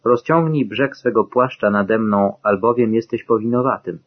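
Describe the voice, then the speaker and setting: Ruth, humble young widow from a bible story, man reading her, husky, lo-fi sound. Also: lowish voice, normal speed. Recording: dull lo-fi recording.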